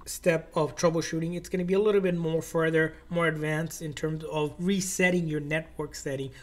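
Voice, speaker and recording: Slightly high-pitched man giving tech instructions. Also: level tone, normal speed. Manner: instructional, informal, repetitive phrasing. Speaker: tech tutorial host. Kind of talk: step-by-step how-to narration.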